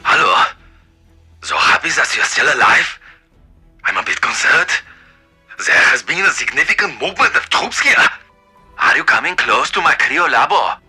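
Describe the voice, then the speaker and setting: An actor playing an eccentric, older German wartime scientist in a video game, excitable and arrogant, raspy and halting, with a German accent. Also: male voice, a little high, faint music behind, exaggerated voice. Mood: agitated. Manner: halting, theatrical, with abrupt outbursts. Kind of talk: video game character acting.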